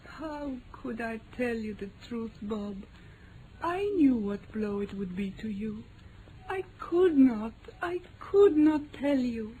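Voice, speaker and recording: An actress playing a tender, devoted, long-suffering wife in a British radio drama, halting and emotional. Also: female voice, a little high, animated, dark tone, poor audio. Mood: anguished, tender. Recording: vintage radio broadcast with faint noise.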